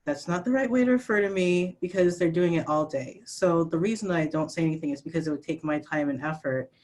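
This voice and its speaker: Calm, explanatory trans trainer with a higher voice. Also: fast. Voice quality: fairly high voice. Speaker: trainer and panel moderator. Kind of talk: training talk and moderating.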